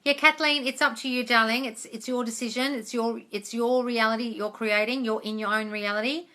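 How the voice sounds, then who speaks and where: Bright, higher-pitched chatty woman in her forties. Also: steady tone, a little fast. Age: 40s. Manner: chatty, informal, calls listeners darling and guys. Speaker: manifestation coach hosting a live Q&A. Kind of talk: casual livestream chat answering viewer questions. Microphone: phone, close up.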